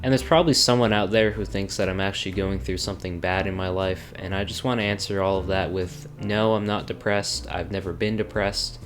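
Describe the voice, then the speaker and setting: A young man who sounds bored and flat, narrating a casual Q&A video as a YouTuber. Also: deep voice, fairly quick, hardly any pauses. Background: background music.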